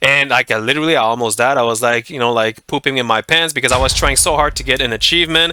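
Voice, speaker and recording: A man with a medium pitch speaks very fast in a bright, sharp, animated tone with ordinary pitch variation, recorded dry and close with no echo. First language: not English. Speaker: gaming YouTuber. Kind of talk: casual tutorial talk. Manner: animated, halting with restarts.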